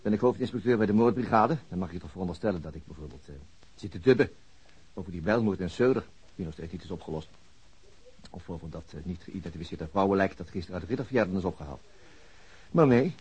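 A middle-aged chief inspector in a radio play, hesitant and rueful. His voice sits low and the words come fast, broken by stammers and halts. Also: animated, darkish tone, breathy edge, full character voice. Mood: rueful, chatty. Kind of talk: naturalistic Dutch radio drama acting.

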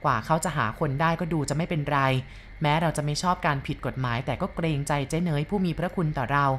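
A woman reading a first-person ghost story aloud in a plain, unhurried way. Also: sits low, a little hiss or hum.

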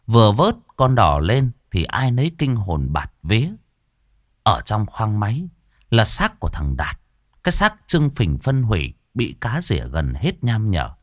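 A man narrating a horror story in a dramatic, expressive way. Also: on the low side, unhurried, no echo, clean studio sound.

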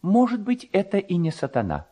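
A man's voice: high voice, wildly swooping pitch, moderate pace, warm tone, husky, voice pushed up, heavily acted. A man voicing a cautious, superstitious village clerk in a literary reading, wordy and hesitant in his reasoning.

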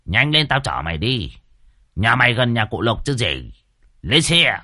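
A man's voice: mid-range voice, very animated, a little slow, bright, forceful tone, dry recording, studio quality, exaggerated voice. A man voicing a crude, boastful old male driver, coarse and bossy. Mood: gruff bossy.

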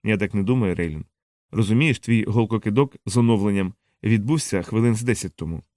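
A calm, hardened ex-soldier, voiced by the male narrator speaks low and quiet. His firm, soft-spoken threats come in a dry, close reading. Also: brisk, no room sound, close to an everyday voice.

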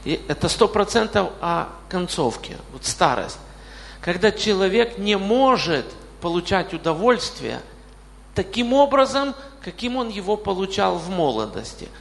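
High-voiced, gravelly man preaching. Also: very animated, a little slow, fairly bright tone. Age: 40s. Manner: questions the congregation directly. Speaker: pastor. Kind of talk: sermon. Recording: reverberant hall.

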